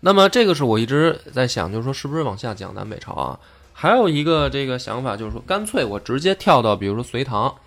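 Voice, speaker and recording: A man hosting a casual history podcast, explaining deliberately and often rephrasing himself. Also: medium pitch, very animated, a bit bright. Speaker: podcast host.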